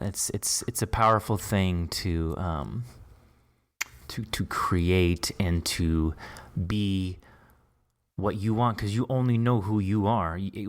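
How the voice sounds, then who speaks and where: Low-pitched man hosting a casual chat. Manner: encouraging, effusive, informal. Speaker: podcast host and interviewer. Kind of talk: casual, reflective interview chat.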